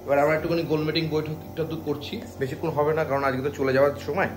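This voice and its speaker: A man's voice: on the high side, steady tone, rapid-fire, over music. A young man, talking through a casual home food vlog and teasing his family. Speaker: food vlogger.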